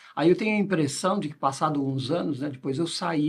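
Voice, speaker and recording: Somewhat breathy and fairly high, a man's voice moves with ordinary pitch variation. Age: 60s. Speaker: organizational consultant, psychologist. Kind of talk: podcast interview. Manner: hesitant, many fillers.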